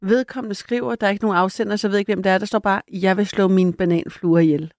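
A woman's voice: mid-range voice, steady tone, darkish tone, no room sound, clean studio sound. A woman hosting a late-night call-in radio show, chatty and a little hesitant, laughing easily with callers.

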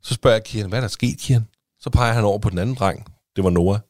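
A man co-hosting a podcast, casually telling a lively anecdote with acted-out dialogue and some swearing. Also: fairly low pitch, dry recording, studio quality. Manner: animated storytelling, swearing, acting out dialogue. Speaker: podcast co-host. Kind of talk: casual chat.

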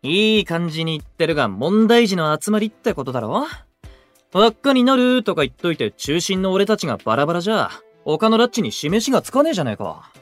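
An actor playing a brash, cocky young male idol in a Japanese voice drama, with blunt, swaggering, rough speech. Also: high voice, sing-song, brisk, no room sound, faint music behind. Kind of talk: Japanese anime-style voice drama acting.

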